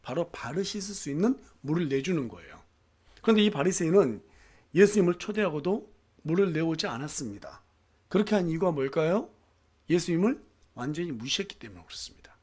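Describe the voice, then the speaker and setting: High-voiced Korean pastor preaching earnestly. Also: male voice, very animated, brisk, a little mellow, husky. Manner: earnest preaching with frequent affirming fillers and rhetorical questions. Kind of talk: sermon. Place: church.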